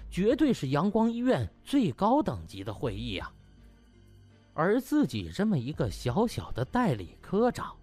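A man's voice: fairly high pitch, a little mellow. A man narrating a comic audiobook in a colloquial, theatrical and mocking storytelling manner.

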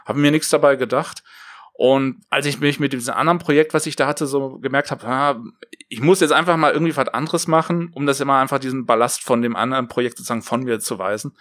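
A man's voice: medium pitch, a bit bright, no room sound. A man chatting casually in an interview, explaining things in a loose, rambling way. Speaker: audio drama creator, writer and director.

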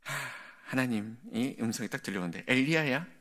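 Male junior pastor, dawn prayer sermon, animated storyteller, lively pitch. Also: normal speed. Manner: storytelling, animated, acts out quotes. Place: church, early-morning prayer meeting.

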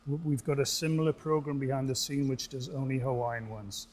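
Welsh-raised man, articulate and relaxed. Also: mid-range voice, a little fast. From Wales. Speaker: aquarium director. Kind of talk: TV interview. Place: outdoors at a seaside aquarium. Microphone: lapel mic.

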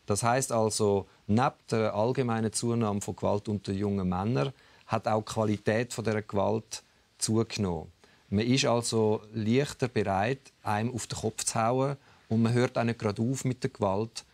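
Low-voiced expert. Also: male voice, fairly even intonation, vocal fry, darkish tone. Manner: deliberate, explanatory. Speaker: expert on violence. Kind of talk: documentary interview.

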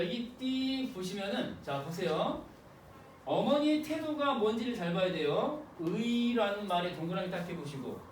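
A man teaching an exam-prep literature lecture in a lively, joking way, acting out lines as he explains. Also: high-pitched, reverberant, recorded from a distance, a little hiss or hum. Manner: lively and playful, jokes and acts out quotes.

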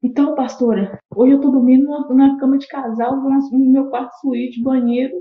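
Tearful high-pitched Brazilian woman testifying. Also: fairly even intonation, normal speed, roomy sound, narrow, tinny audio, slight background noise. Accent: Brazilian Portuguese. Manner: fervent, tearful, repeats herself. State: crying. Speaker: testimony guest. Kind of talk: emotional religious testimony.

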